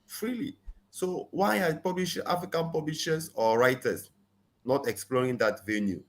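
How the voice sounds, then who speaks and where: A man as guest in a conversational interview, earnest, often saying "you know", rising in pitch when he stresses a point. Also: normal speed.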